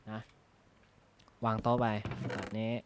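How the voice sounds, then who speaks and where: This gaming YouTuber takes it slowly while chatting through a casual Minecraft let's-play, joking and thinking aloud in a rambling way with frequent "na ha" tags. He's recorded on a close desk microphone at a gaming desk, though the background is noisy.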